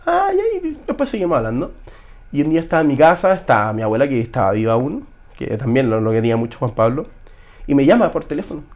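A man's voice: medium pitch, very animated, fast, a little mellow, lo-fi sound. A Chilean man in his thirties, telling a personal story as an interview guest, emotional with many restarts.

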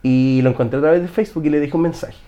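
A man's voice: fairly high pitch, racing, warm tone, dull audio. A Chilean man in his thirties, telling a personal story as an interview guest, emotional with many restarts.

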